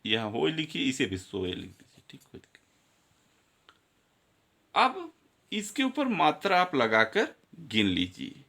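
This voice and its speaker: A man's voice: fairly high pitch, wildly swooping pitch, measured pace, long pauses, bright, forceful tone. A male teacher giving a grammar lesson, counting syllables aloud and speaking directly to his students.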